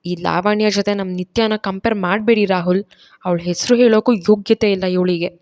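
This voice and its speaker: A woman voicing a jealous, sharp-tongued pregnant young wife in a storybook reading. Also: mid-range voice, steady tone, moderate pace, natural voice. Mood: scornful. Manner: scornful, then pleading.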